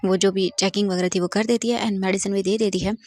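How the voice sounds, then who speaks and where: A woman's voice: medium pitch, steady tone, fast talker, a little mellow. A woman casually retelling a fan fiction story in plain narration, dropping English words in.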